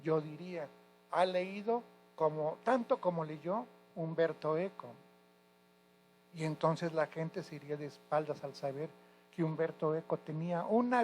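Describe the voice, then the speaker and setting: Emphatic older teacher, faint hum. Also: male voice, fairly high pitch, a little mellow, poor audio. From Mexico. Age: 60s. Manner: emphatic, lecturing, corrects pronunciation. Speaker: retired high school teacher. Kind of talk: interview answers.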